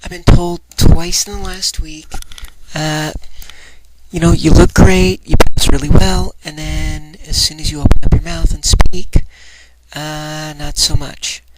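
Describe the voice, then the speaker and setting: A woman speaks in a hesitant, self-doubting vlog style. Her voice is low for a woman, slightly breathy and nasal, with the resonance lightened in the throat. Loud noise and clicks run through the home recording. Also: level tone, measured pace. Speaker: voice trainee asking for feedback. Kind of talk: personal vlog, rambling confession.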